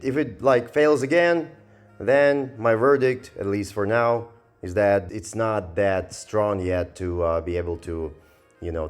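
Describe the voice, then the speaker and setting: A man giving a casual, rambling software review, thinking aloud in a hesitant and sardonic way as he goes. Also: low-pitched. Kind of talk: casual screen-recorded review commentary.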